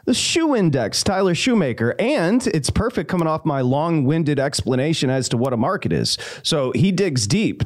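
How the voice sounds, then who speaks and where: A man hosting a sports betting radio show, chatty and telling stories with quick asides. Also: medium pitch.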